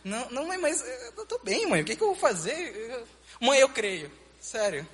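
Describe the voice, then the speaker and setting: Rich: An anxious, wounded grown son, as a performer plays him in a stage sketch, who keeps interrupting with husky, lively reactions. The tone is bright and edged, and it carries a long hall reverb. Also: medium pitch, normal speed. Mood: hurting. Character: anxious adult son, skeptical, emotionally wounded. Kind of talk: comic church sketch acting.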